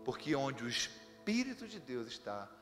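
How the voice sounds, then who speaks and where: A man with a Brazilian accent, preaching a sermon as pastor, telling stories in a lively way with laughter. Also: medium pitch, normal speed, big-room sound, faint music behind. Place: church sanctuary.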